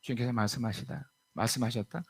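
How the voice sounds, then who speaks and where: A man preaching a sermon in a church, telling the story in a lively way and acting out the voices he quotes. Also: mid-range voice, quick pace, creaky, breathy edge. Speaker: pastor. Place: church sanctuary.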